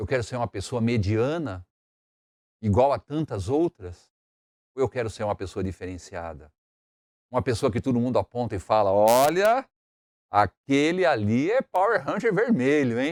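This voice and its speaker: A man speaks with very wide pitch swings and long, frequent pauses. The sound is dry and close, with no echo. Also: medium pitch for a man, moderate pace. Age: 60s. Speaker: motivational speaker. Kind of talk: motivational talk to camera. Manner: animated.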